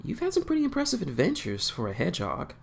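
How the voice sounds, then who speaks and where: A man voicing a gentle young princess in a fan story read aloud, speaking softly and coaxingly. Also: high voice, wildly swooping pitch, quick pace, vocal fry, a little hiss or hum, pitched above the performer's own voice, heavily acted. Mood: teasing. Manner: soft, hushed, coaxing. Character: gentle young princess, soft-spoken and teasing.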